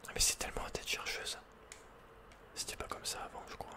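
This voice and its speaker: A man's voice: a little fast, bright, forceful tone. Whispering man, ASMR game commentary. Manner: casual, slangy muttering with mild swearing. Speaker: ASMR gaming streamer.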